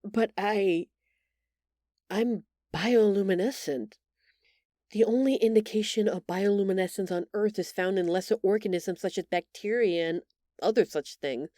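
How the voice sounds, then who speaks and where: A woman voicing a gentle, timid alien woman in an intimate audio roleplay, speaking hesitantly and earnestly, with tender halting stammers. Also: medium pitch, no echo, studio quality, close to an everyday voice. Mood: shy, astonished. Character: gentle, timid bioluminescent alien woman, shapeshifter in human exile.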